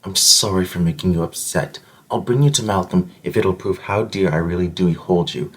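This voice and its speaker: Man as chivalrous loyal lord, low soft voice, husky, earnest archaic phrasing, audio drama acting. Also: normal speed. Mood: tender, earnest. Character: gentle, loyal, chivalrous nobleman, protective and solemn.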